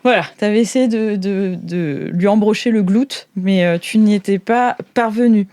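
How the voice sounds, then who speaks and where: A woman hosting an improvised tabletop game, narrating in an informal, halting, giggly way. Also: medium pitch, warm tone, no echo, studio quality. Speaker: game master, show host.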